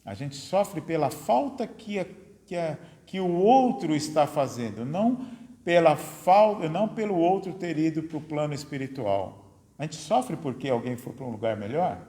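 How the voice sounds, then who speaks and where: A man's voice: a little high, animated, moderate pace, dark tone. A man with a Brazilian Portuguese accent giving a spiritist lecture to an audience, talking conversationally, tagging his sentences with little questions and posing rhetorical ones. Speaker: lecturer at a spiritist study center. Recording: echoey hall with long reverb.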